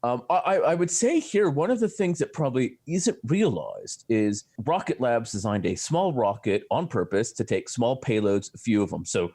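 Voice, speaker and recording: A man's voice: medium pitch, very animated, moderate pace, hardly any pauses, dark tone, slightly rough. An American man co-hosting a science show, explaining in a chatty way with many restarts and fillers. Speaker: astrophysicist co-host. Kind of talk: casual science chat.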